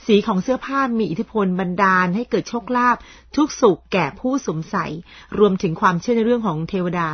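A woman's voice: medium pitch, lively intonation, fairly quick, hardly any pauses, husky, dry recording. A middle-aged woman hosting a radio program, chatting politely and informally about word usage, and stopping now and then to remark on her own pronunciation. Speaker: radio host. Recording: slightly dull, dry lo-fi broadcast recording.

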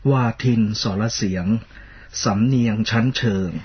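A man co-hosting a radio talk show in a polite, measured, formal way, often reading out a list of titles. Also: fairly low pitch, slightly rough, highs cut off. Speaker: radio co-host.

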